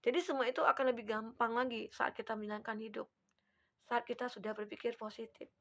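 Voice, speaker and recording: A woman giving a collective tarot reading, gently advising and speaking straight to the listener. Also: on the high side, little pitch movement, fast. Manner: acts out the listener's own words. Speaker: tarot reader.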